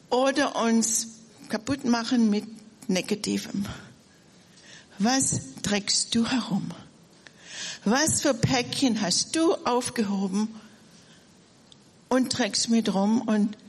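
A woman's voice: on the high side, husky. A woman telling a personal story in a sermon, speaking straight to her listeners. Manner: storytelling, addresses listeners directly. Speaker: preacher. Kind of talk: sermon testimony. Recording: long hall reverb.

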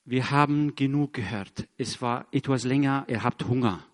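A middle-aged man, a surgeon, telling his church testimony in an earnest, animated way, with slightly broken German grammar. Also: medium pitch, moderate pace, big-room sound. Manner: earnest, animated storytelling with acted quotes and repetitions.

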